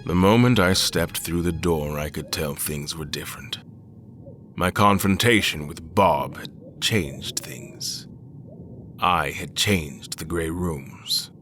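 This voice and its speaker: A man playing a grave, determined admiral in an audio horror drama, speaking in a measured, formal, solemn way. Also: extremely low pitch, a bit bright, a little hiss or hum, exaggerated voice. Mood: brooding. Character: Admiral Beckett, grave, determined father trapped in haunted manor. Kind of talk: audio horror drama, first-person narration.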